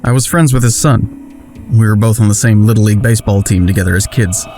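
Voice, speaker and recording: A man's voice: on the low side, a little fast, darkish tone, soft background music, lightly acted. An actor playing an earnest, insistent grown man troubled by his youth, in an audio drama. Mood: remembering.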